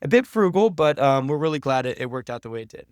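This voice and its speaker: A man's voice: mid-range voice, very animated, fast, smooth, no echo, clean studio sound. An American man talking as an interview guest, telling stories conversationally in an earnest, explanatory way with emphatic repetition. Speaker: podcast guest, documentary director.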